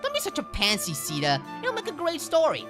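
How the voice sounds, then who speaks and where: A woman's voice: high voice, wildly swooping pitch, fairly quick. A woman playing a cheeky, thrill-seeking young twin in an audio drama, with a playful, teasing way of talking. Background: loud music.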